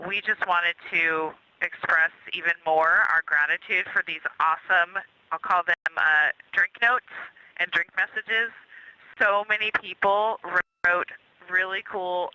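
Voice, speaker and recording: A man's voice: a little high, pushed and bright, clean tone, no echo. An astronaut, a man, speaking from inside a spacecraft cabin over a space-to-ground radio link, upbeat and appreciative. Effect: space-to-ground radio downlink. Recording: dull lo-fi radio downlink.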